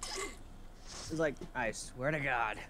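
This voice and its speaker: A man's voice: mid-range voice, wildly swooping pitch, drawn-out words, noisy background. A man chatting casually as a co-player on a game stream. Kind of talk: casual chat.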